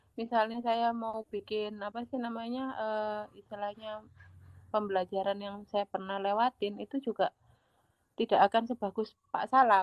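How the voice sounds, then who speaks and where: A woman's fairly high voice at a moderate pace with monotone, flat intonation, on a very clean recording with a silent background and a dry, close sound with no echo. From Java. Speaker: online class participant. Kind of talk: testimony. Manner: halting, many fillers.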